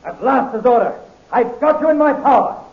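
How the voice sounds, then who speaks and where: An actor playing a heroic space adventurer in a 1930s radio serial, with a commanding, clipped manner. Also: male voice, extremely high pitch, expressive, normal speed, creaky, exaggerated voice. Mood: urgent, threatening. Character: bold heroic male space adventurer from Earth. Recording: muffled, noisy 1930s radio recording.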